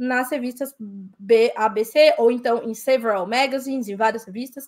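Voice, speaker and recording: A woman speaks at a high pitch with ordinary variation. The recording is very clean, and the background is silent. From Brazil. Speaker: writer and translator, podcast co-host. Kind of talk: casual instructional chat.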